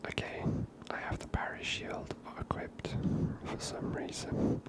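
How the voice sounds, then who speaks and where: A man giving gentle, unhurried ASMR game commentary in a breathy whisper, close to the microphone. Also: poor audio.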